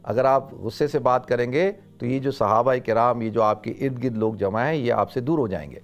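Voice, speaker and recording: A middle-aged man from South Asia giving an informal religious lecture in a loud, emphatic preacher's voice, repeating phrases for emphasis. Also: mid-range voice. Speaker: religious scholar giving a talk.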